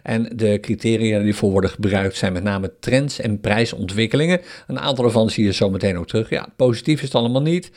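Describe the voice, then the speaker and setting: A man hosting a solo crypto podcast in a chatty style, often pausing with fillers. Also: fairly low pitch, a little mellow. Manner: chatty, hesitant with frequent fillers. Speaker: podcast host.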